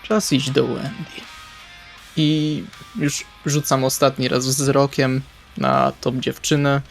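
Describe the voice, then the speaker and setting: A man playing a tabletop RPG, narrating his character's actions in the first person in short, deliberate phrases. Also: mid-range voice, steady tone, vocal fry. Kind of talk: first-person roleplay narration over game session. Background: soft guitar music.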